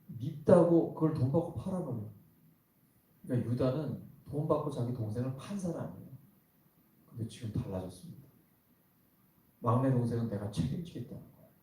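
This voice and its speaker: Male pastor, dark mellow tone, chatty sermon full of rhetorical questions, recorded from a distance in a very reverberant church. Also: medium pitch. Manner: conversational preaching with rhetorical questions to the congregation. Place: church worship hall. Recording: very echoey hall, voice from some distance.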